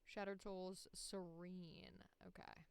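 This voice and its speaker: A woman's voice: lowish voice, flat delivery, slow, clear, resonant tone. A woman chatting casually and swearing freely as she talks herself through her work on a livestream. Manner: sweary, exclamatory, self-narrating. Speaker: voice actor livestreaming. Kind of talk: casual livestream chat while working.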